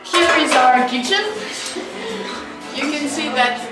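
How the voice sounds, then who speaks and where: Young woman, English, friendly, fairly high voice, echoey room over loud music. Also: slow. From France. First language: French. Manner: friendly, simple non-native English. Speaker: European volunteer. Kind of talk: casual home tour and reflection. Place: shared house indoors.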